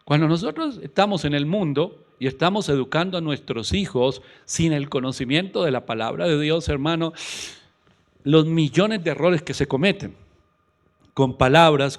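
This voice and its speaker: Colombian pastor preaching, higher-pitched man. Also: moderate pace. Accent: Colombian Spanish. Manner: preaching with rhetorical questions and acted-out quotes. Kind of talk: radio sermon.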